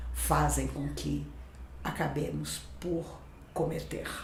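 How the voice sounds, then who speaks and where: Speaking at a very slow pace, a woman is heard with audible room echo and noticeable background noise. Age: 60s. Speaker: spiritist lecturer. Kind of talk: lecture. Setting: virtual talk.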